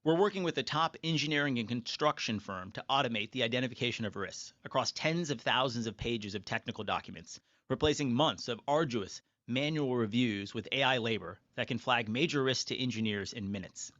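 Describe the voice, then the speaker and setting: A man of average pitch presents scripted remarks on a corporate earnings call. He is assertive and stresses his points. The recording is dry and a little dull, like a conference line. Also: brisk, few pauses, fairly bright tone, no echo.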